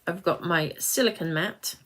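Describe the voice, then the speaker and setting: This craft tutorial host is a British woman in her late forties, close to fifty, who rambles chattily during a live demonstration and stops to speak to viewers. Her pitch is fairly low, her speed normal, her tone a bit bright, and a slight hiss or hum sits underneath.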